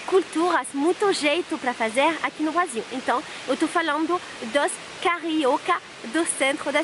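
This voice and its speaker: A young French woman vlogger talking casually to camera outdoors by a waterfall, animated and searching for words in her second language. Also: sits high, background noise. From France. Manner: animated, lots of hand gestures, searches for words. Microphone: camera close up at a table. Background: rushing waterfall.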